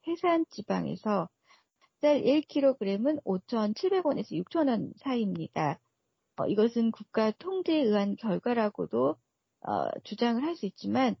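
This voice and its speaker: Gravelly, husky female expert on radio. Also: a little high, no echo, highs cut off. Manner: formal, explanatory. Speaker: research fellow, expert guest. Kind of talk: prepared analytical radio commentary.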